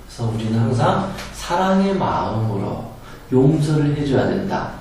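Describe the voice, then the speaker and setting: A man giving a spoken lecture on handling anger, emphatic and animated, sometimes acting out angry quotes and laughing. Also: medium pitch, normal speed. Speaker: meditation and self-help lecturer. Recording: very echoey room from a distance, faint noise.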